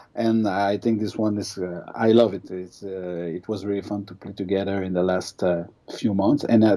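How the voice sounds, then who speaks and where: A man with a French Canadian accent, his fairly low-pitched voice dark and mellow, at a moderate pace with fairly even intonation. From Quebec, Canada. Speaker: board game designer. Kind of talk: casual interview. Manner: halting, repeats words.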